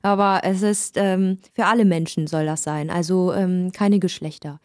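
A woman's voice: on the low side, fairly even intonation, normal speed, a little mellow, no echo, studio quality. A young woman from Germany, a singer, answering interview questions in a friendly way with simple short sentences. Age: young adult. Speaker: singer, guest.

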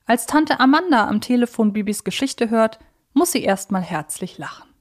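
A woman's voice: fairly high pitch, expressive, moderate pace. Chatty woman hosting a podcast. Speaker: podcast host.

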